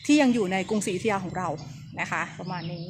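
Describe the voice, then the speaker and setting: Woman vlogging on a temple tour, soft chatty voice, noisy outdoor sound, birds around. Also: on the low side, quick pace. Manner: chatty, speaks softly and keeps her voice down. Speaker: travel vlogger touring a temple. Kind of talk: casual guided tour talk. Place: outdoors at a temple on an overcast day.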